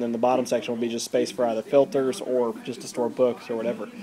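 A man at a fairly quick pace with fairly even intonation, amid noticeable background noise. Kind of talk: casual show-and-tell explanation. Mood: relaxed, mildly rueful. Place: garage. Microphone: phone near.

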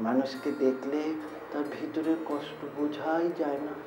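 A man's voice with music in the background. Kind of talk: acted drama dialogue. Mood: eager, friendly, then wistful. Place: home room.

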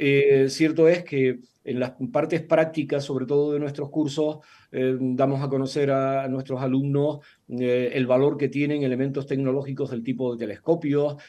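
A man with a Canarian accent speaks at a moderate pace in a fairly high pitch, his dark, mellow tone delivered in a monotone, flat intonation. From Canary Islands. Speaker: astronomy educator. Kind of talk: interview. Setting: video call. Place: home room.

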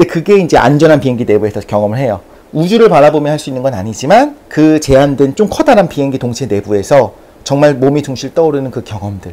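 Speaking at a very fast pace, a man with fairly high pitch uses lively intonation. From South Korea. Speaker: science communicator. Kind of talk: casual interview. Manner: animated. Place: studio. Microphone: lapel.

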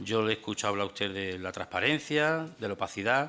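Lively intonation in a man's voice of medium pitch. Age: 40s. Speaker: politician and civil guard officer. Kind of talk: parliamentary committee speech. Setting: parliamentary committee hearing. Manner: halting, with frequent fillers and repetitions.

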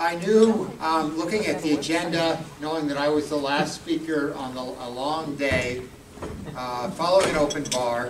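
A man speaks with ordinary pitch variation. Noticeable background noise sits behind him. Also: moderate pace. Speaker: keynote speaker, attorney. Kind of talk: speech. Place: hall.

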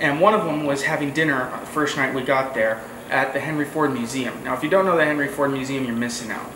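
Speaking fairly quickly with ordinary pitch variation, a man is heard over noticeable background noise. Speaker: car vlogger. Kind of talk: casual vlog chat. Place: shop.

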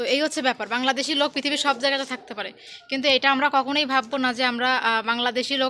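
Over noticeable background noise, a woman speaks in a raised, projected voice at a high pitch with monotone, flat intonation. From Bangladesh, Dhaka. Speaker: vlogger. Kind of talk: vlog monologue answering viewer comments.

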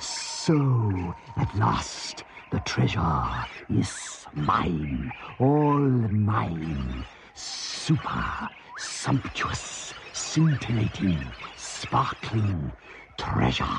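In a put-on character voice, a man speaks at a fairly low pitch and a very slow pace, with hissing and clear background noise. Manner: gloating, sibilant.

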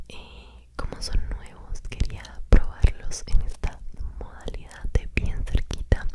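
A soft-spoken woman whispers at a very slow pace. Loud background noise fills the recording. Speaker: ASMR creator. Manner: very soft close-mic whisper. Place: home room. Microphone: studio mic.

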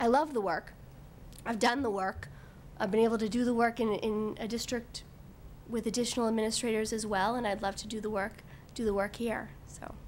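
A woman's fairly high pitch and monotone, flat intonation, with an American accent, a fairly quick pace broken by long, frequent pauses, and light background noise. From Massachusetts South Shore; Massachusetts. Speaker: school administrator, superintendent candidate; candidate. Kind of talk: job interview. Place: meeting room. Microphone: podium.

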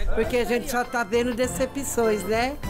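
Fairly slow speech from a woman, with music clearly audible behind her. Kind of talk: street interview question. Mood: earnest, concerned. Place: street. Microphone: handheld.

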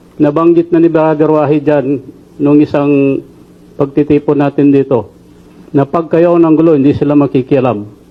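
At a moderate pace, a man talks in a fairly high voice with very even loudness. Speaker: government or security official speaking to a crowd. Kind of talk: rally speech. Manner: forceful, commanding, challenging; animated, repeating rhetorical questions for emphasis.

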